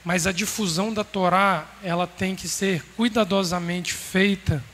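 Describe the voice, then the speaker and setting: A man preaching a sermon to a congregation in a measured, emphatic way with pauses. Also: high voice, steady tone, fairly bright tone. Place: congregation hall. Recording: roomy hall reverb, faint background noise.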